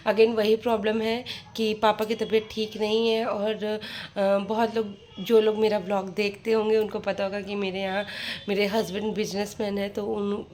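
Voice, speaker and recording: A woman's voice: medium pitch, level tone, moderate pace, darkish tone, slight background noise. A woman in her thirties talking casually to viewers in a home vlog, venting about family troubles in a chatty, talkative way. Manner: talkative, venting with frustration, addresses viewers directly. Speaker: vlogger and mother. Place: at home, sorting winter clothes.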